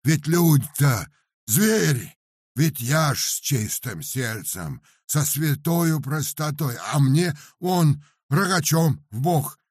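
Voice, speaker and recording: A man voicing a pious, self-pitying peasant man who complains loudly and draws out his words. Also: on the high side, lively intonation, breathy edge, dry recording, studio quality, pitched above the performer's own voice, full character voice. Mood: indignant. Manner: loud wailing complaint, drawn-out words.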